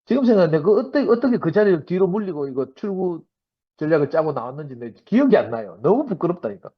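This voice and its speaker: A man in his fifties with a Gyeongsang accent gives a sermon-style testimony, slightly husky and pitched a little high. He tells his stories in a lively, anecdotal way. The recording is dull and lo-fi. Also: fast. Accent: Gyeongsang Korean. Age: 50s. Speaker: church member giving a talk.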